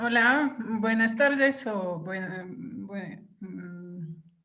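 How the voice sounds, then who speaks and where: A woman speaks with ordinary pitch variation. Room echo is audible in the recording. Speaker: humanitarian NGO director. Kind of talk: panel discussion. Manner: halting, many fillers.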